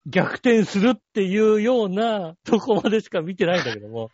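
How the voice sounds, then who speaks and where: A man's voice: high voice, big pitch swings, fairly quick, a little mellow, muffled recording. A man co-hosting a podcast, telling a rambling story in casual chat with many fillers. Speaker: podcast co-host.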